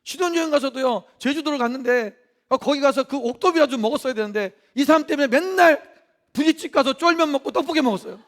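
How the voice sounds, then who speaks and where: A male pastor preaching a lively sermon in a church, often questioning the congregation. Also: extremely high pitch, fast. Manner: lively, asks the congregation questions and acts out quotes.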